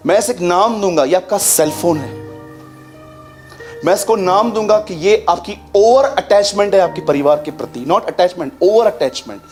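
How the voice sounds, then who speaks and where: High-voiced man preaching with rhetorical questions. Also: a little slow, darkish tone, soft background music. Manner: preaching with rhetorical questions, swinging between raised and low voice; mixes English phrases into his preaching. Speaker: pastor. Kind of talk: sermon.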